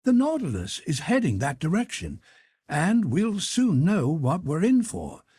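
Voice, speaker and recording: A polite, earnest manservant from a classic adventure audiobook, put on by a male narrator. He pitches high and lively, with a husky edge and a precise, deferential, pedantic manner. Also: unhurried, full character voice. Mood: patient.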